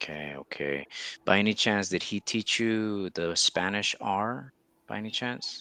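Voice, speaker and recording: A man with a fairly low pitch and a bright, sharp tone speaks fairly slowly with ordinary pitch variation, his sound dry and close with no echo over a quiet background. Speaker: English tutor. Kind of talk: casual chat. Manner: clear.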